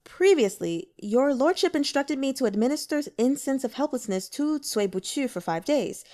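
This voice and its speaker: A woman's voice: high voice, lively intonation, moderate pace, mellow, pitched above the performer's own voice. Woman voicing an anxious young male subordinate. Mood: earnest.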